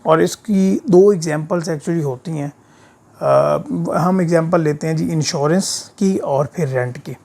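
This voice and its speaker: A man with a sore throat giving an informal step-by-step software tutorial, often checking that the learner follows with short tag questions. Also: on the high side, unhurried, creaky. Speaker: instructor of an accounting software course. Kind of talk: screen-share tutorial, informal explaining. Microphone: voice-over of a screen recording.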